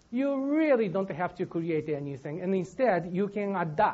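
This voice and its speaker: A man speaks with a Japanese accent at a high pitch. His intonation is lively and his pace moderate. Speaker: psychology professor. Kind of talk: lecture. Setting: stage with audience.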